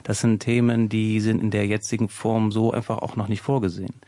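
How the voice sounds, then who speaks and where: A man, a sociologist, speaking as a studio interview guest, measured and explanatory, thinking aloud as he goes. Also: fairly low pitch, little pitch movement, mellow, no echo. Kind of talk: expert radio interview.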